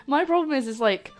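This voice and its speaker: A young woman with a light Scottish accent, chatting casually to her viewers while cooking in her kitchen on a live stream. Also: sits high. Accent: light Scottish-English mix. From Scotland. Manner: chatty, rambling, talks to chat. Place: home kitchen.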